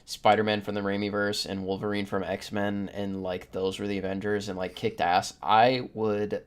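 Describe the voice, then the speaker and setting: A man's voice: lowish voice, little pitch movement, normal speed, smooth. A man hosting a podcast, chatting informally and giving emphatic opinions. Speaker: podcast host. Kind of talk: casual opinionated panel chat.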